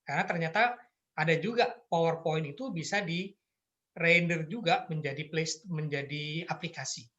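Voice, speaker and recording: A man's voice: on the high side, moderate pace, sharp tone, muffled recording. A middle-aged man from Madura, a lecturer speaking earnestly in casual conversation and chuckling at himself now and then. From Madura, Indonesia. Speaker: Arabic lecturer, app creator.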